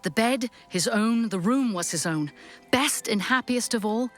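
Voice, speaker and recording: A woman playing the storyteller of a Victorian ghost tale, narrating dramatically in a measured, suspenseful way. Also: a little high, expressive, faint music behind. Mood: rising wonder.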